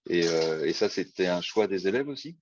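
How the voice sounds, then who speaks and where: A man's voice: low-pitched, animated, normal speed, muffled recording. A man moderating an informal question session in an encouraging way. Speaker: discussion moderator.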